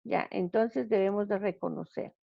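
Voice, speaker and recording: A woman teacher giving a recorded grammar lesson over slides, speaking haltingly with many fillers and self-corrections. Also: mid-range voice, fairly even intonation, creaky, dry recording. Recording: dull, lo-fi sound.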